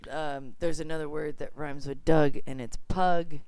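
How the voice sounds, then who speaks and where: A podcast co-host in casual chat with a frog in the throat, chatty and quick with jokes. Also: medium pitch, steady tone, a little mellow, clean tone, no echo. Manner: chatty, jokey, breaks into asides.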